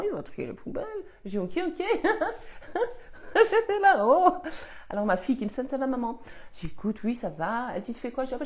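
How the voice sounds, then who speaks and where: A woman's voice: fairly high pitch, darkish tone. Belgian woman in her fifties, slight cold, casual chatty live host who laughs through her stories. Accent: Belgian French. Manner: chatty, laughs often, rambling anecdotes. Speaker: host answering live questions. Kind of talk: casual storytelling chat.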